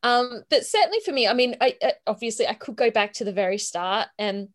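A woman's voice: fairly high pitch, animated, brisk. A woman in her forties with an Australian accent, a chatty guest on a remote interview who laughs often and restarts her sentences. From Sydney, Australia. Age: 40s. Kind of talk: conversational interview.

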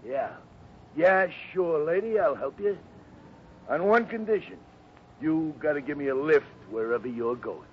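A man playing a rude, shifty convict with gruff, slangy speech in a 1950s radio drama. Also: fairly high pitch, animated, measured pace. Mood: demanding. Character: rude, shifty escaped convict posing as mechanic. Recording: muffled, noisy old radio recording.

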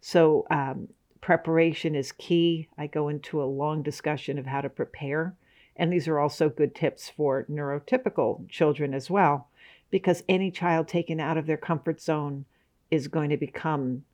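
A woman's voice: low-pitched, steady tone, moderate pace, a little mellow. Woman, interview guest, speaks steadily and informatively, a little hesitant at times. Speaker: guest, travel writer. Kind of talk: interview answers.

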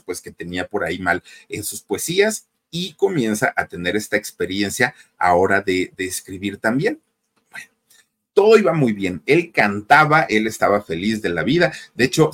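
Husky Mexican man telling a story. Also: lowish voice, a bit bright. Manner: chatty, addresses listeners directly with tag questions. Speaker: storyteller, channel host. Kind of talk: casual biographical storytelling.

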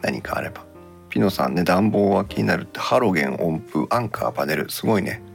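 A man's voice: sits low, expressive, fast talker, gravelly, soft background music. A man hosting a podcast about home appliances in casual chat, thinking aloud in short conversational phrases. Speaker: podcast host.

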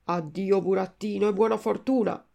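A woman's voice: mid-range voice, fairly even intonation, moderate pace, vocal fry, dark tone, lightly acted. A woman voicing a resigned, philosophical male tuna with a cracked voice in a storybook reading. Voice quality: cracked, like an untuned guitar.

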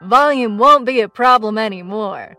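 A woman acting as an ad pitchwoman, speaking loudly through a cheerleader megaphone in an upbeat sales pitch. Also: expressive, normal speed, far from the mic, soft background music.

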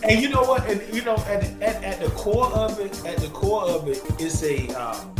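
A man's voice: sits high, normal speed, echoey room, music in the background. A man co-hosting a casual podcast, laughing a lot and repeating himself as he gets his thoughts out. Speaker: podcast co-host. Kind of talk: casual chat.

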